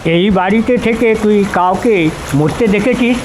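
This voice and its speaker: A man's voice: sits high, a little slow, noisy background. A man playing a bold, challenging skeptic who scoffs at ghosts in a dramatized audio story. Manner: challenging, cocky.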